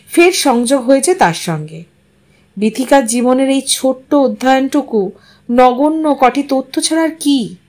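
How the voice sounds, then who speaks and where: Female audiobook-style narrator, slightly high pitch, expressive literary storytelling.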